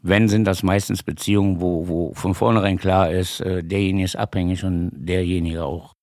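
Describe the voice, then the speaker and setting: Low, gravelly man in his fifties. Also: flat delivery, moderate pace, darkish tone, no echo, studio quality. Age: 50s. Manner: hesitant, many fillers. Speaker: interview guest. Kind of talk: casual personal account.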